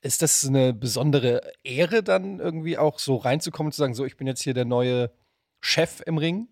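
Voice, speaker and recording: A middle-aged man hosting a casual interview podcast, joking and phrasing things haltingly. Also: medium pitch, no echo, studio quality. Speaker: podcast host. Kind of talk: casual chat, interviewing a guest.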